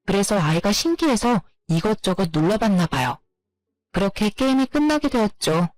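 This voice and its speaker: A woman telling a first-person story at a middle pitch, with plain, steady delivery and a complaining tone. Her voice is recorded dry and close, with no room echo. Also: moderate pace. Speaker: narrator.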